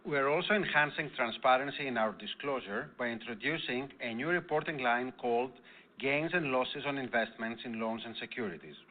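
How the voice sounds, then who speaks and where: A man working as a finance executive, reading a scripted earnings presentation in a formal, measured manner over a conference call. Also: medium pitch. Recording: tinny phone-line conference call audio.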